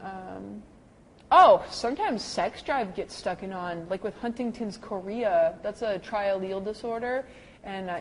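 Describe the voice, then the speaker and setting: A middle-aged woman teaching a lecture to caregivers on dementia care, talking lively and acting out the people she quotes. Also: a little hiss or hum, poor audio. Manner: lively, acts out quoted people with big pitch jumps.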